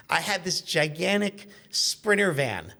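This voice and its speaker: Rambling, self-deprecating man, slightly high voice. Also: sing-song, slow, creaky, pushed and bright. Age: 50s. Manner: rambling, digressive. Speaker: guest, car magazine editor and former radio intern. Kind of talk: casual anecdotal chat.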